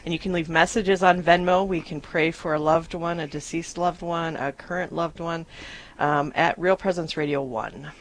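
A woman with a fairly low voice for a woman co-hosts a live radio fundraising drive. She talks in an upbeat way, thanking donors and slowing down to repeat the call-in number. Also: steady tone, low-quality recording.

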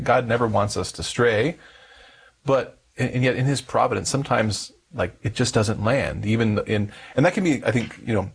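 Husky low-voiced man hosting a faith interview. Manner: thoughtful, halting, many restarts. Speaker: interview host.

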